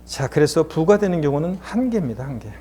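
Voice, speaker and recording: A man's voice: on the high side, very animated, fast talker, mellow, slight background noise. A man teaching a lecture course in a chatty, encouraging way. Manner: chatty and encouraging, often starts with "자". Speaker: instructor.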